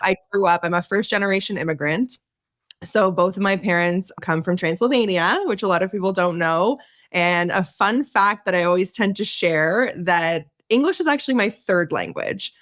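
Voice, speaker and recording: A woman's voice: fairly low pitch, normal speed, a bit bright. A woman from Canada speaking as a podcast guest, chatty and casual with frequent laughs. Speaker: podcast guest, tech entrepreneur. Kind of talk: podcast interview.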